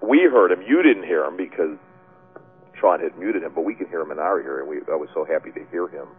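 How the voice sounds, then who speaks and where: A man's voice: low-pitched, lively intonation, a little fast, faint music behind. A man hosting a call-in webcast, chatting casually with many fillers. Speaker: webcast host. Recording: tinny phone-line sound.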